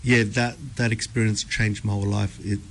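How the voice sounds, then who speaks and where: A young Australian man telling his life story as a radio guest, halting, with many ums and repeated words. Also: on the low side, little pitch movement, a little hiss or hum. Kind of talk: personal testimony interview. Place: radio studio.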